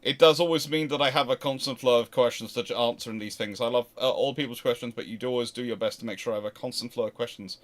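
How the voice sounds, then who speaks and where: A man's voice: mid-range voice, quick pace, hardly any pauses. A British man in a casual livestream history discussion, hosting and answering questions in a rambling, emphatic way that often interrupts itself. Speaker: host answering viewer questions.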